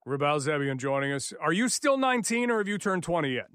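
A man's voice: on the high side, sing-song, quick pace, a bit bright, smooth, no echo, studio quality. A male radio host interviewing a guest, upbeat and encouraging.

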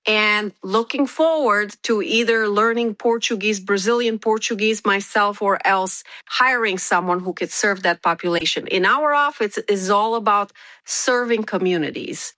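A woman, an immigration attorney answering interview questions in a measured way, pausing often with fillers. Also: medium pitch, sharp tone, no room sound. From Romania. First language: Romanian. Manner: measured, with frequent filler pauses.

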